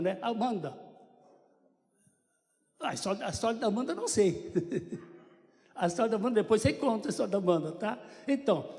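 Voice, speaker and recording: Older Brazilian man, high mellow voice. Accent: Brazilian Portuguese. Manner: chatty storytelling with joking asides. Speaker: church member giving testimony. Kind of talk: church testimony to congregation. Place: church sanctuary. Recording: long church reverb.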